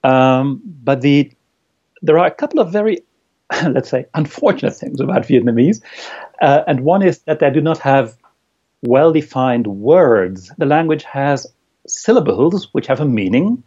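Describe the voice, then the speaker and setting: A thoughtful man speaking as an in a conversational interview. His voice is mid-pitched and he pauses to search for words. The recording is slightly dull and lo-fi. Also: animated, warm tone, breathy edge. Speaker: interviewee, language learner.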